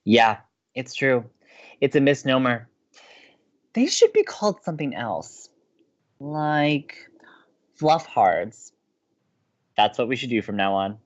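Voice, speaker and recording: Man playing a breezy, very animated student radio co-host. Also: medium pitch, takes it slowly, pauses often, lo-fi sound. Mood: mock-serious. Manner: playful, breezy, teasing. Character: breezy, teasing, upbeat male college radio co-host. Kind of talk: romantic comedy audio drama banter.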